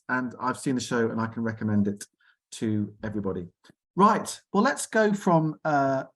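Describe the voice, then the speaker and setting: A man's voice: mid-range voice, breathy edge, rough recording. Chatty man hosting an online discussion. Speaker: host. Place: video call.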